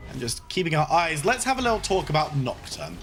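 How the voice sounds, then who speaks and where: A man calling play-by-play for a competitive video game match, talking in a steady, flowing way with some playful banter. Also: a little high, a little fast, soft background music. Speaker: esports play-by-play caster.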